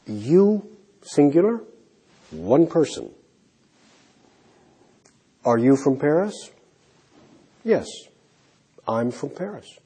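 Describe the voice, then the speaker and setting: Slow, soft-spoken male English teacher. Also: a little high, sing-song. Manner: modelling example answers clearly, trailing off softly. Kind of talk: slow, deliberate classroom instruction.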